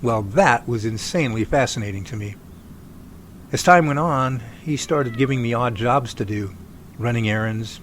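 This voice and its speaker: A man acting as an earnest, folksy research team leader in an audio drama. He speaks haltingly at a medium pitch, with noticeable background noise on the homemade recording. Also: lightly acted. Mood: reflective, earnest. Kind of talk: amateur audio drama dialogue.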